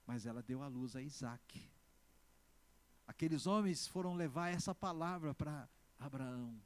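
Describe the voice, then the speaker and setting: Emphatic Brazilian pastor with a high voice. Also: male voice. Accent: Brazilian Portuguese. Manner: emphatic, swings between loud exclamations and slow stressed words; asks the congregation for responses. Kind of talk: sermon.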